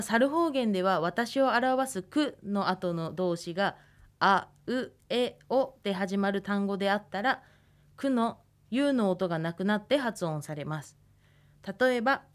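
Young woman lecturer, radio lesson. Patient, careful, slow model pronunciations, mid-pitched voice. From Hokkaido, Japan. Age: 20s. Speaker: language lecturer.

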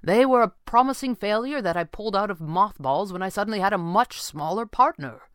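A woman voicing a stern, stoic male crime-fighting boss with a wry, clipped, deadpan manner in an audiobook. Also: mid-range voice, fairly quick, no echo, clean studio sound, voice pushed up, lightly acted. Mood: dry, matter-of-fact.

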